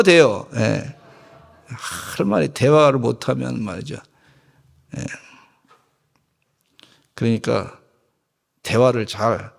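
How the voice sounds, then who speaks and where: Here a male pastor preaches in a church sanctuary, trading jokes with the congregation and leading them in call-and-response phrases. He speaks in a gravelly, mid-range voice, and the sound echoes around the hall.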